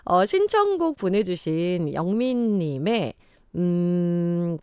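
A woman's voice: on the low side, very animated, slow, dark tone, smooth, dry recording. A woman from Daegu hosting a live radio show, chatty and laughing often, in a studio. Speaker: radio host. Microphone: studio microphone.

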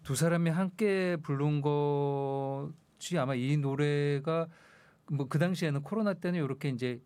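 A man appearing as a music commentator on a radio show, explaining songs in a measured way with frequent fillers, in a studio. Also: a little high, a little mellow, smooth, no echo. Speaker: music commentator, magazine editor-in-chief guest. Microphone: studio microphone.

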